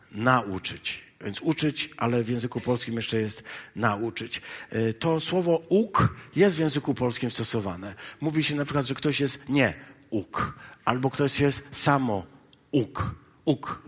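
A man preaching a sermon, shifting between loud, emphatic exhortation and quiet, halting asides full of hesitations. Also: medium pitch, animated, breathy edge. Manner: halting, with many hesitation fillers.

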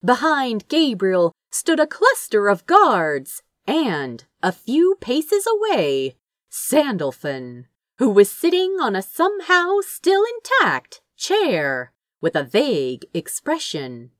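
A woman reading fiction aloud as an expressive, theatrical narrator with deliberate phrasing. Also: a little high, no echo, clean studio sound. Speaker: audiobook reader of fan fiction. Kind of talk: expressive dramatic scripted narration.

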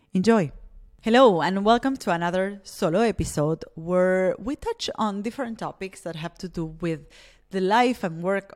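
A woman in her thirties from Argentina talks through her solo podcast episode. Her voice sits a little low. She speaks in a reflective, unhurried way, often pausing on fillers and restarting her phrases. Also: darkish tone. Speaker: podcast host.

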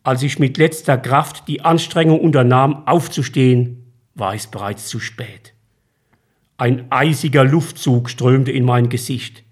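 A man reading his own short story aloud in a calm, measured storytelling manner. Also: medium pitch, slightly rough. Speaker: author and reader.

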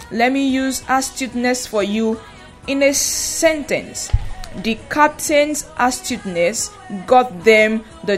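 A woman teaches vocabulary on a radio program, in a voice pitched a touch high. She spells each word out slowly and reads definitions with careful, deliberate pacing. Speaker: radio show co-presenter. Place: radio studio.

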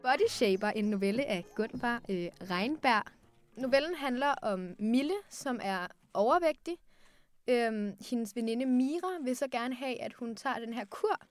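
A young woman retells a story for a book discussion, hesitating and filling pauses as she goes. Her voice sits slightly high. The recording is dry and close. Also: no room sound, faint music behind. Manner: hesitant, many fillers, retells plot.

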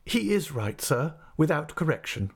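A man's voice: fairly high pitch, sing-song, normal speed, vocal fry, breathy edge, voice pushed up, full character voice. A man voicing a humble, aggrieved assistant teacher in an audiobook, speaking formally and with restraint. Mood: restrained, resigned. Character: aggrieved, dignified, humble male assistant schoolteacher. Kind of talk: audiobook character acting.

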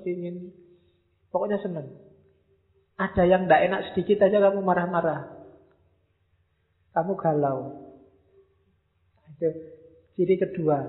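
A man giving a casual, humorous lecture, acting out quoted lines as he goes. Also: high-pitched. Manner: humorous, mixes in quoted lines and local slang. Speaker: speaker giving a talk on love. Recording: echoey hall, tinny phone-like sound.

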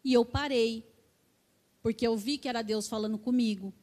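A middle-aged Brazilian woman, speaking with a Brazilian Portuguese accent, gives a sermon built on fervent personal testimony and keeps tacking "né" onto her sentences. Her pitch is fairly high and her intonation fairly even, with a moderate pace and a slightly mellow quality.

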